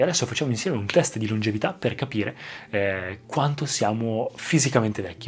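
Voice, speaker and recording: This man's voice sits fairly low. He talks at a very fast pace over light background noise. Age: 20s. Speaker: wellness YouTuber; wellness youtuber. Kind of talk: tutorial. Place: home room.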